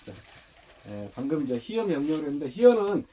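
Husky-voiced man giving firm dog commands. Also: fairly high pitch, fairly quick. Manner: short firm commands mixed with calm explanation. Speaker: dog trainer. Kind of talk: hands-on training demonstration. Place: indoors, a room.

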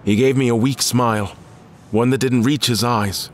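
A man's voice: mid-range voice, fairly even intonation, normal speed, slight background noise, close to an everyday voice. A man playing a courteous, guarded admiral in an audio drama, speaking politely and formally. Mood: tense narration. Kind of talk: audio drama acting and first-person narration.

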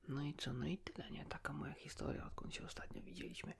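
A man speaking in a hushed, breathy whisper, chatting casually and confidingly as if to a friend in an ASMR style. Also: on the high side, flat delivery, quick pace. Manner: colloquial, rambling, ends phrases with a tag question. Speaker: ASMR creator talking to the listener as a friend.

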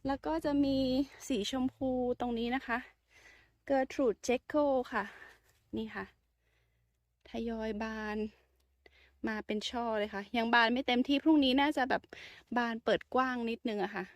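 A woman's voice: fairly high pitch, measured pace, dry recording, studio quality. A woman chatting casually and politely as she walks through her home garden outdoors, showing her plants. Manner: chatty, soft-spoken, polite with frequent particles. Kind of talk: casual garden tour vlog.

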